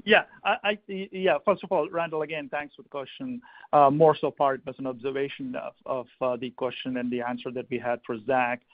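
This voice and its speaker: Man on a thin phone line, halting. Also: mid-range voice, fairly even intonation, dry recording. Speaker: company executive. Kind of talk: answering analyst questions on an earnings call. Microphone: telephone. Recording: thin telephone conference line.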